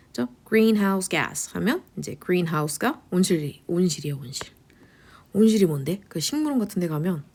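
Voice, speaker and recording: During a lecture on English vocabulary, a woman with a mid-range, somewhat dark voice fires off rhetorical questions and answers them herself. She frequently lowers her voice to a whisper.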